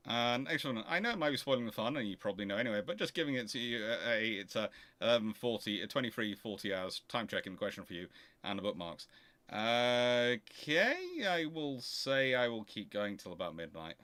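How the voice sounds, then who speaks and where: Recorded dry, this man speaks at medium pitch and a brisk clip while running a naval history question show. His casual livestream answers ramble, and he argues his points with animated emphasis, frequently stopping to fix what he just said.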